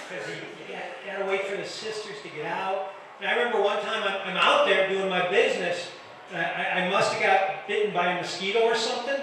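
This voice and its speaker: A middle-aged or older stand-up comedian from the Detroit area performs on a comedy club stage, self-deprecating and stammering through restarts as he teases the crowd. His voice is high. The recording is echoey and distant, with crowd noise.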